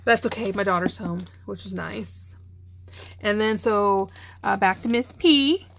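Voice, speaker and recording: A woman's voice: medium pitch, unhurried, a little hiss or hum. A middle-aged woman, tired and chatty, gushing over craft supplies in a casual vlog. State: tired, yawning. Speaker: craft channel host. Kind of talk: casual show-and-tell vlog.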